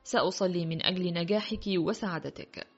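A woman voicing a gentle older father who speaks tenderly, in a dull lo-fi recording with faint music behind. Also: medium pitch, a little fast, slightly rough. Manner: tender and kind.

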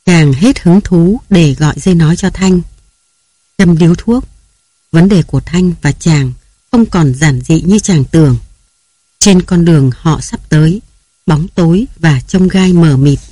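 A narrator reading a novel aloud in a steady, even storytelling manner. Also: mid-range voice, measured pace, dry recording. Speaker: audiobook narrator.

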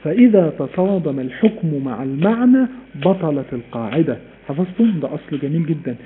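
A man's voice: fairly high pitch, fairly quick. Egyptian man teaching over a tinny stream. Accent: Egyptian Arabic. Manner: animated, repeats key points, asks students questions. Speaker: Quran recitation teacher. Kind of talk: live-streamed lesson. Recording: phone-like live stream audio with faint noise.

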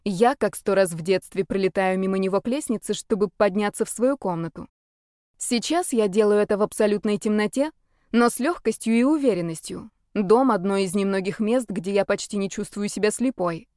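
A woman narrating a first-person audiobook in a measured, even reading. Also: medium pitch, dry recording, studio quality.

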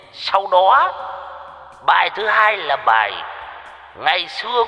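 A man puts on a boastful old village joker who talks slowly and swings his voice up and down. The voice is bright. It rings in a long reverb with music playing softly behind. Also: sits high, very animated, creaky, heavily acted. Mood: boastful, joking. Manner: joking, boastful patter with laughs.

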